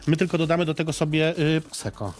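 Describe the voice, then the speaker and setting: Fast-talking playful male host. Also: on the high side. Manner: playful, joking, swears casually. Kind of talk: casual chat over drinks.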